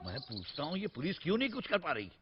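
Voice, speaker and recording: An actor playing a hot-tempered father who shouts threats and blusters. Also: on the high side, huge pitch swings, fast, noisy background. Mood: worried. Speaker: angry father. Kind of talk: Hindi film acting. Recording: dull film soundtrack with music.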